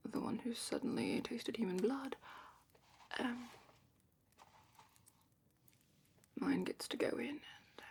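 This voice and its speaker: A woman playing a calm, attentive dragon matchmaker in a slow, whispered ASMR roleplay with thoughtful pauses. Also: on the high side. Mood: quietly authoritative. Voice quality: breathy, whispery. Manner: slow, gentle, thoughtful questioning with murmured pauses. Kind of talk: soft-spoken ASMR roleplay, largely whispered.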